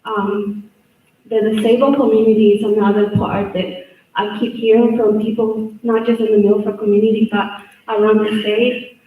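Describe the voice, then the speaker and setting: A woman's voice: fairly high pitch, level tone, moderate pace, narrow, tinny audio. A middle-aged woman from El Salvador, speaking English with a Salvadoran Spanish accent, makes an earnest plea at a public hearing. She restarts and repeats phrases as she speaks. Her voice reaches the mic from a distance, with heavy room echo. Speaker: state representative giving public testimony. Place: large echoey hearing room. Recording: echoey hall, voice far from mic.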